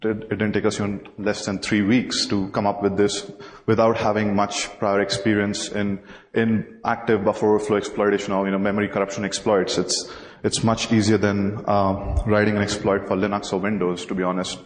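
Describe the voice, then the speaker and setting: Young indian guy at a conference podium, flat lowish voice, lots of uhs, big echoey hall. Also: a little fast. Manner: hesitant, many uh fillers. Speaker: conference presenter. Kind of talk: technical conference talk. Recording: echoey hall, faint noise.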